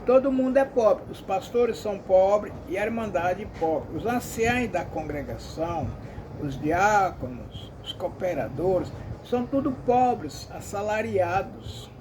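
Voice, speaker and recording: A man's voice: high voice, lively intonation, measured pace, noisy background. A Brazilian man giving an emphatic, repetitive commentary monologue, often calling out to his listeners.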